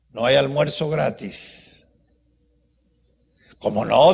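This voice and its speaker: With an animated tone, a man speaks somewhat breathily in a fairly high pitch. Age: 80s+. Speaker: university lecturer. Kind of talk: lecture.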